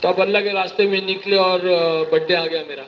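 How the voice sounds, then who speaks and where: A man preaches through lively anecdotes and mimics the people in them. His voice sits a little high for a man. The recording is slightly muffled, with a faint hiss underneath. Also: fairly quick. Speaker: preacher giving a religious talk. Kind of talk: storytelling sermon.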